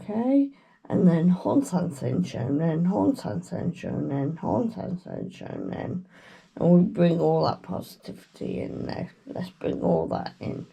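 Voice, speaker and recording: A woman with a British accent, croaky from a cold, giving a slow, meandering tarot reading with murmured chants. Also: lowish voice, huge pitch swings, dark tone, rough recording. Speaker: tarot reader. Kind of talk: casual tarot reading chat.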